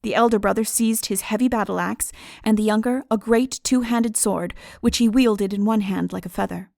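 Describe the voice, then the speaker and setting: A woman narrating a literary audiobook as a dramatic reading, in a measured, formal storytelling manner. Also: mid-range voice, steady tone, creaky, a little mellow, no echo, clean studio sound.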